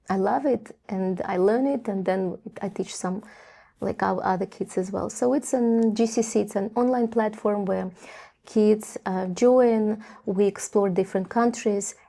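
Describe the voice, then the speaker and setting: Young woman, grew up in Latvia, gravelly, warm dark tone, hesitant with lots of ums. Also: mid-range voice. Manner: hesitant, many ums and restarts. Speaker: theatre director and educator, interview guest. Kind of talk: casual interview talk.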